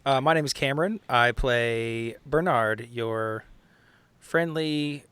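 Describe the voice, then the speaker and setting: A man's voice: mid-range voice, takes it slowly, a bit bright, clean tone, dry recording. A man playing a tabletop game, joking and laughing with friends. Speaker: player. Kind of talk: casual banter at a game table.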